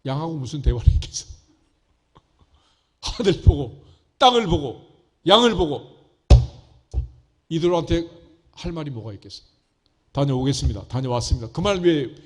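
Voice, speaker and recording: Husky-voiced pastor with lively pitch. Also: male voice, a little slow, pauses often. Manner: folksy, asks the congregation rhetorical questions. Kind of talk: conversational sermon.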